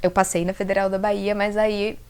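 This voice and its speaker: A woman in her thirties from the interior of São Paulo state, with its inland accent, talking to her viewers in a casual, expressive vlog. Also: medium pitch, a little fast, smooth. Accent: interior São Paulo (caipira r). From interior of São Paulo state, Brazil. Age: 30s. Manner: conversational and expressive, often addresses viewers directly. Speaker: self-leadership content creator. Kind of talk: casual reflective vlog to camera.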